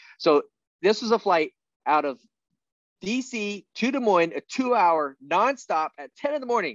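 A man with a Midwestern US accent swings his pitch very widely. The sound is dry and close with no echo, against a quiet background. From Iowa. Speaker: wrestling content creator. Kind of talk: casual interview chat.

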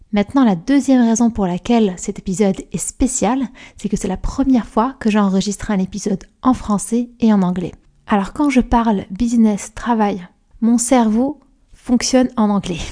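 A woman speaks at a moderate pace with a fairly high pitch, ordinary pitch variation, a somewhat breathy quality, and a warm tone that is dark and mellow. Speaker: podcast host and mindfulness coach. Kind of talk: solo monologue podcast. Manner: warm, conversational.

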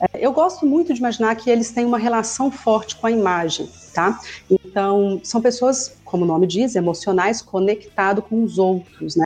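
A woman's fairly high voice at a moderate pace, lively in intonation and very even in loudness, with music in the background. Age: 30s. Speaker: Enneagram personality consultant. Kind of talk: interview.

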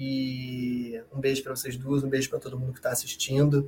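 A man speaks with a fairly high pitch. His is a plain, everyday voice. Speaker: sports content creator. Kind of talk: casual chat.

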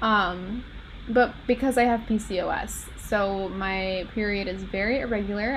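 With an American accent, a woman talks at a medium pitch and a fairly slow pace, her intonation fairly even over noticeable background noise. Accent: Minnesota accent, comes out on some words. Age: 20s. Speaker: dating podcast host. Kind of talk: casual solo podcast monologue.

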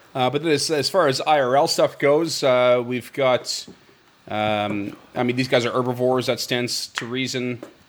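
In an American accent, a man speaks at medium pitch and a fairly slow pace with fairly even intonation. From US East Coast. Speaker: podcast host. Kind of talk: casual chat.

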